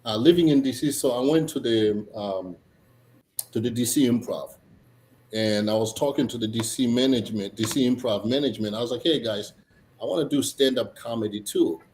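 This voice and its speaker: A man from Tanzania, a comedian chatting casually as a guest, halting, with many fillers and restarts. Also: medium pitch, darkish tone. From Tanzania, East Africa. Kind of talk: casual interview chat. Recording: echoey room, faint noise.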